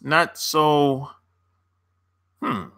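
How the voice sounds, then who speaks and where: Chill guy chatting with his viewers, slow talker, slangy, laughs a lot, voice kinda high. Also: steady tone, sharp tone. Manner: laid-back and slangy, laughs often between remarks. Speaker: dating coach and channel host. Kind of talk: casual livestream chat answering viewer comments.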